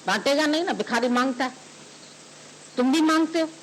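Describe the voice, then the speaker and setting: A man with a high voice delivers a devotional sermon in a homely, chiding way and keeps firing rhetorical questions. A faint hiss sits under the recording. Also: brisk, a bit bright, rough recording. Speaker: spiritual teacher.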